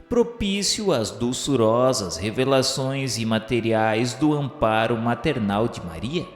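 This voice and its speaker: A man with a Brazilian accent gives a solemn, formal, scripted literary narration in the style of a radio novela. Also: medium pitch. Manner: solemn, formal, measured delivery. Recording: echoey hall-like reverb, music behind. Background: music.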